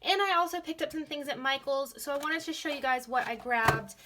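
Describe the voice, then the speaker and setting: A young woman chatting casually through a planner sticker haul, gushing and repeating words, her voice slightly hoarse from being sick. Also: high-pitched, fairly quick, very noisy. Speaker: planner vlogger.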